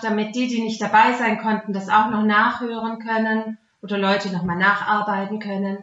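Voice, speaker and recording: A woman's voice: mid-range voice, a bit bright. A woman with a Swabian German accent giving a devotional talk as a Christian speaker, plain-spoken, earnest and conversational. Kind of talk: devotional talk mixing Bible teaching and personal testimony. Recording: roomy echo, dull muffled sound.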